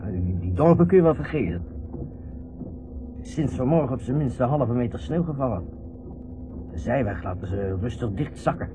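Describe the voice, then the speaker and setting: An actor playing a stubborn, grumbling husband at the wheel who insists he is calm, in a Dutch radio play. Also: medium pitch, moderate pace, long pauses, lightly acted. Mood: dry complaining. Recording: muffled, noisy old radio recording.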